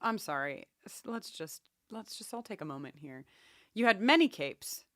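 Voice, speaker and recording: A woman with a mid-pitched voice co-hosts a casual rewatch podcast. She talks informally, with animated, teasing delivery. The sound is close and dry, with very little room in it. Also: normal speed, no room sound. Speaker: podcast co-host.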